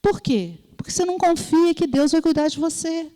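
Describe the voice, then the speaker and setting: A woman's voice: very high-pitched, lively intonation, brisk, warm tone. A Brazilian woman giving a Catholic prayer-group talk, telling stories and acting out the voices in her quotes, often asking her listeners "entendeu?". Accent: Brazilian Portuguese. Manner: storytelling, acts out voices in quotes. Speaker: lay preacher. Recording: long hall reverb.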